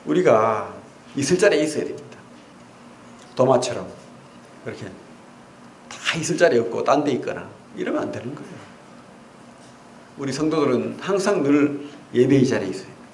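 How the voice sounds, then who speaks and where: A middle-aged man preaching a sermon as pastor, animated, with sudden loud outbursts and quiet asides. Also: mid-range voice, moderate pace, long pauses, slight background noise. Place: church sanctuary. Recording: echoey church hall.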